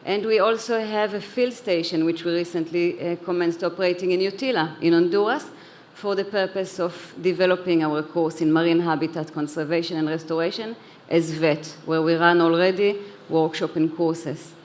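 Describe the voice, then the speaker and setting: Slight background noise accompanies a fairly low, somewhat mellow female voice with fairly even intonation and a moderate pace. The speaker, who grew up in Israel and heads an education organization, addresses a conference hall panel earnestly, restarting and repeating words now and then.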